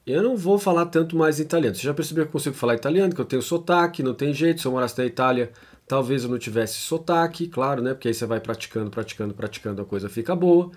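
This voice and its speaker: A man's voice: mid-range voice, animated, rapid-fire. A Brazilian man with a Brazilian Portuguese accent, giving an informal lecture as he reads out a text and comments on it, often tagging his sentences with questions. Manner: conversational, frequent tag questions and fillers. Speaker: lecturer on theology.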